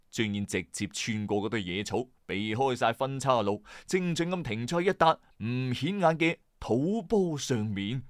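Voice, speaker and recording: 香港粵語男聲，抑揚頓挫講奇案. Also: male voice, mid-range voice, no room sound, clean studio sound. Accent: Hong Kong Cantonese. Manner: dramatic, suspenseful storytelling. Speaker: storyteller and host of a late-night mystery story channel. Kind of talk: scripted true-crime mystery narration with colloquial asides.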